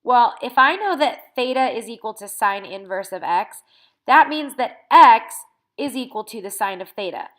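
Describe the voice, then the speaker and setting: A woman's voice: on the high side, expressive, normal speed, a bit bright. Congested woman teaching a math lesson. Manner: patient, explanatory, frequent "okay?" check-ins. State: congested, sniffly. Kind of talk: recorded math lesson over scanned notes.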